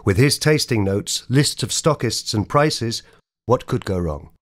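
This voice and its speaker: A man's voice: medium pitch, lively intonation, measured pace. A man who works as a voice-over actor, reading scripted ads, verse and prose in a polished, theatrical way. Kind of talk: voice-over demo reel of ads, poems and dramatic readings.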